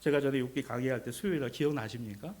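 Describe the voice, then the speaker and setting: A middle-aged male pastor delivering a sermon, dropping to a hush and then rising to loud rhetorical questions. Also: medium pitch, rapid-fire. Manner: dramatic swings from hushed to loud, rhetorical questions.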